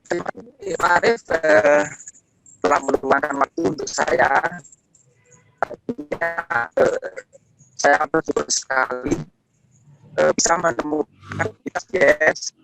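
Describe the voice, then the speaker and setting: A man's voice: on the high side, animated, slow pace, creaky, pauses often, music in the background, poor audio. A man speaking on a video call from his phone while walking around, his audio choppy and cutting out. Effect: choppy, cutting-out internet call audio. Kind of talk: casual sharing in an online meeting.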